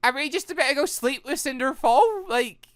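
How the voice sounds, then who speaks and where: Bright, animated gaming commentator. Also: high-pitched, moderate pace, no room sound, clean studio sound. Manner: rambling, animated, giggly. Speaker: gaming video host. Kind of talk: excited reaction commentary over a visual novel.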